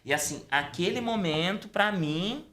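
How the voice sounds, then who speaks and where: A middle-aged man, a podcast guest telling a personal story casually and acting out the dialogue. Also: unhurried. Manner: animated storytelling, acting out dialogue with pitch swings. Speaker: podcast guest, Umbanda priest.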